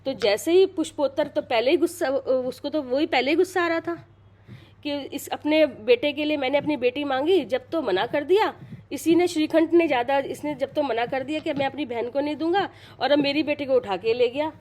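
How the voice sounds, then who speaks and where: A middle-aged woman with a high-pitched voice retells a Purana to a small group, loose and chatty at a moderate pace with a darkish tone. She circles back, restarts sentences, and pauses now and then to make sure everyone is keeping up.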